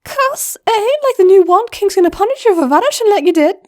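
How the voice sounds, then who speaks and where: Bubbly goblin girl, high and rushing; woman reader plays her. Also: lively intonation. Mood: eager. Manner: eager, pleading, gushing. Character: bubbly, excitable young female goblin.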